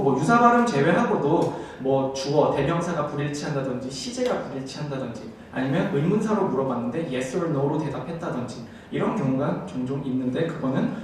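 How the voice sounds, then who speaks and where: A TOEIC instructor teaches a class in a language school classroom, working through material step by step and often checking in with his students. His slightly high, a little mellow voice has lively intonation, and he talks briskly with hardly any pauses. The recording is echoey, picked up by a distant camera mic with faint hiss.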